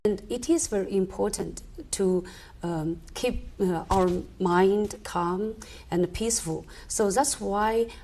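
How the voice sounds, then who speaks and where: A woman from China speaks with a Chinese accent in a warm, mellow voice. She talks very slowly and hesitates often between words as an interview guest. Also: medium pitch. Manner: slow, hesitant, many uh fillers.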